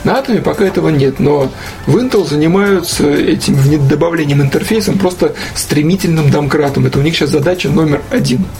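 A man's voice: on the high side, brisk, a little mellow. A man talking casually about tech in a colloquial, slangy and opinionated way, as a guest in a conversation.

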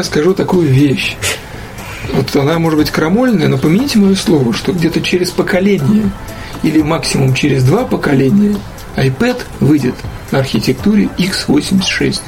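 A man's voice: a little high, vocal fry, a little mellow, rough recording. A man talking casually about tech in a colloquial, slangy and opinionated way, as a guest in a conversation.

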